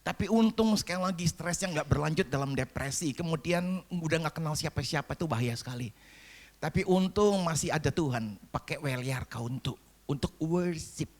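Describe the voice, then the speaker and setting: A man's voice: fairly high pitch, normal speed. A man of sixty, a pastor preaching a sermon and telling a family story with acted-out dialogue and rising emphasis. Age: 60s.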